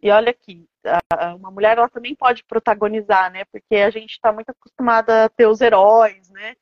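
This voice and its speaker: A Brazilian woman with a fairly high voice talks as an author in an interview. She explains things earnestly and conversationally, often adding little check-in tags. The sound is roomy and echoey, and somewhat dull and lo-fi. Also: fairly even intonation, fairly quick. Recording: echoey room, dull lo-fi audio.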